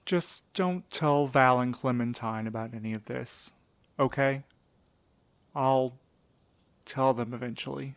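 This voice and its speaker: An actor playing a blunt, impatient courier who talks curtly and casually in an audio drama. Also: male voice, mid-range voice, takes it slowly, pauses often. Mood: shaken, weary. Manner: casual, curt talk. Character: blunt, impatient, sweary male courier under strain.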